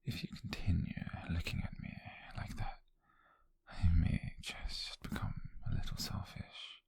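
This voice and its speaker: A man voicing a tender, flirtatious witch on a date in an ASMR roleplay, with a British accent and a soft, breathy, gravelly whisper. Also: low-pitched, flat delivery, exaggerated voice. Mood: flirtatious, intimate. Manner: soft, intimate, slow and hesitant.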